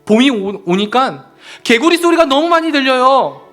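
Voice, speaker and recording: A man's voice: extremely high pitch, sing-song, normal speed, fairly bright tone, faint music behind, pitched above the performer's own voice, exaggerated voice. A man voicing a sulky pet songbird that complains about the noise in a story told in a sermon. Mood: annoyed. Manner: whiny, complaining.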